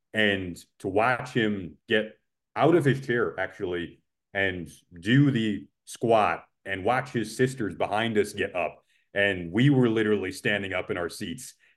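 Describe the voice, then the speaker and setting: A fairly slow pace with ordinary pitch variation. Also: man, fairly low pitch for a man. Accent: American. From Detroit area, US Midwest. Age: young. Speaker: sports play-by-play broadcaster. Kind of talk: casual interview chat.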